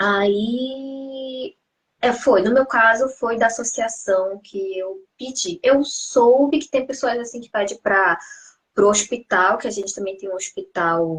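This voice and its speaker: A woman speaks very slowly at a fairly high pitch, her loudness swinging widely. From Japan and Belém, Brazil. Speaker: graduate student, former Japanese teacher. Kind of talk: interview. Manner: halting.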